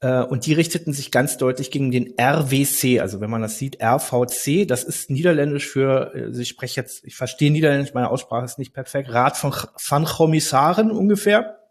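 Man, football pundit guest; gravelly, husky tone; halting, self-correcting delivery. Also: medium pitch. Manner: explanatory, frequent hesitations and self-corrections. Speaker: podcast guest, football expert. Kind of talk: conversational expert analysis.

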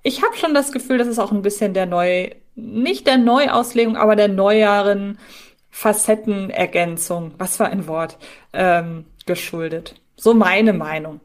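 Female podcast co-host, medium pitch, casual and wordy delivery with playful formality. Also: a little slow.

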